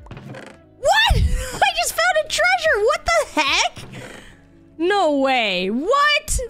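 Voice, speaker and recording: Bubbly chatty young woman streamer. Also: extremely high pitch. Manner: bubbly, chatty with viewers, excited outbursts. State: losing her voice. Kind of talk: casual gaming livestream chat. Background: soft background music.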